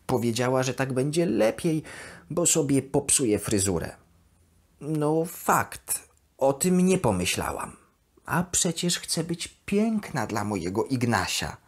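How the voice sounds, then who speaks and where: A woman's voice: very deep voice, very animated, slow, slightly rough, heavily acted. A woman voicing a chatty, devoted plush toy duck, expressively confiding her diary in a children's bedtime audio story. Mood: fond, chatty.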